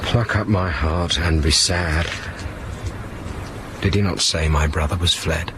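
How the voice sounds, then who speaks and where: An actor playing a lordly prince in a stage comedy, mocking and commanding. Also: male voice, deep voice, takes it slowly, noisy background. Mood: stern. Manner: lively, mocking, laughing asides.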